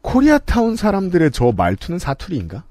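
Man, podcast host, reflective advice, fairly high voice, dry sound. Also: brisk, dry recording. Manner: reflective, musing, lively intonation. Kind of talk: casual advice chat.

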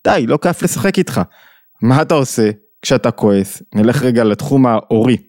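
A man's voice: mid-range voice, lively intonation, a little mellow, no echo, studio quality. A man teaching a reflective spoken lesson, asking his listeners questions and voicing the people in his examples. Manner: reflective, poses questions to listeners, acts out quoted voices. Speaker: lecturer on Jewish thought.

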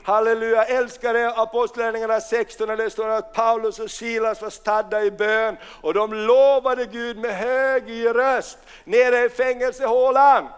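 Finland-Swedish male preacher, high clear resonant voice, fervent sermon full of amens and hallelujahs. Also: level tone. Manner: fervent, punctuated with amen and hallelujah; reads scripture slowly and deliberately.

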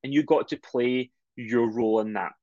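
A middle-aged man with a Scottish accent, a mindset coach speaking as a guest on a podcast, talking quickly and energetically as he explains. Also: medium pitch, steady tone, darkish tone, no room sound, muffled recording. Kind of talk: podcast interview.

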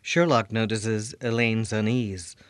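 A man's voice: on the low side, steady tone, takes it slowly, smooth, dry recording, studio quality. A man narrating an audio drama from a script, describing scenes and actions.

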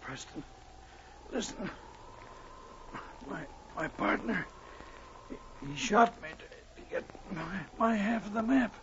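An actor playing a bitter old prospector, mortally wounded, stammering and gasping weakly in 1940s radio style. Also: male voice, high voice, expressive, slow, long pauses, fairly bright tone, exaggerated voice. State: weak, gasping, dying. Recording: dull, noisy old radio recording.

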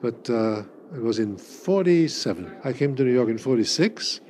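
A man of eighty whose first language is German, answering interview questions in a measured, wry way with frequent fillers and restarts. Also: medium pitch, lively intonation, dark tone, a little hiss or hum. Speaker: interviewee, cabaret artist.

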